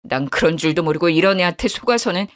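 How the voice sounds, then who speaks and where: Woman playing betrayed husband, harsh, scolding, lowered voice, radio story drama. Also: animated, fast, natural voice. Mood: angry. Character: angry betrayed young husband, cold and blunt.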